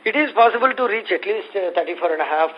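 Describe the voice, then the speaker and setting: A man with an Indian accent answering investor questions as a company executive on an earnings call, explaining in a halting way. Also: sits high, lively intonation. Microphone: conference call phone. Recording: muffled conference phone line with noise.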